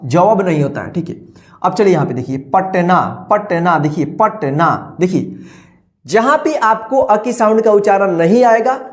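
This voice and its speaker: A woman teaching an online reading lesson, explaining patiently, repeating herself, drawing out and spelling out words, and often checking that the class follows. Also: mid-range voice.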